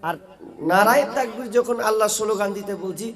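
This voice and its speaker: A man preaching a waz sermon at an outdoor gathering under a canopy, moving between quiet storytelling and shouted rallying calls. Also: high voice, fast. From Murshidabad, West Bengal, India. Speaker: Islamic preacher. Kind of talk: impassioned Bengali waz sermon. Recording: echoey open-air PA from far off.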